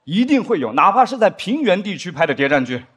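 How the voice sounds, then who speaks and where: A man performing a stand-up comedy set on a studio stage, acting out drama scenes with big pitch swings. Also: sing-song, fast talker, fairly bright tone, husky. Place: studio stage with live audience.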